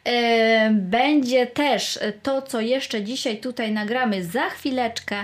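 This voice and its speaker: A woman with a highish voice co-hosts a casual podcast. She talks in a playful, slightly theatrical way and giggles easily. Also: slow. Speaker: podcast co-host.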